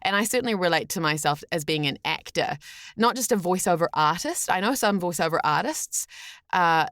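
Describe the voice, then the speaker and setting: A New Zealand woman in her thirties talks casually and reflectively in an interview. Her voice sits a little low, and the sound is dry with hardly any room in it. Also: animated, a little fast, fairly bright tone, dry recording. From rural New Zealand. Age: 30s. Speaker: podcast guest, voice actor. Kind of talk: casual personal storytelling in an interview.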